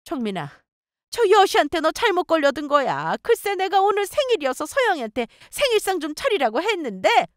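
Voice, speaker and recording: A woman voicing a bossy, spiteful older mother-in-law who yells and scolds in a shrill voice. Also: big pitch swings, brisk, no room sound, clean studio sound. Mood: furious.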